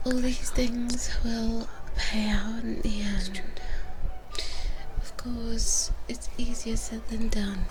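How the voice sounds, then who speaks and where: Woman whispering as a slow, soothing female vampire. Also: fairly high pitch, level tone, noisy background. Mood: reassuring, earnest. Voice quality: breathy, unvoiced whisper. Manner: soothing, reassuring, slow and deliberate. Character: gentle female vampire twins soothing a young fledgling. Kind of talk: whispered ASMR roleplay. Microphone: close microphone for headphone listening.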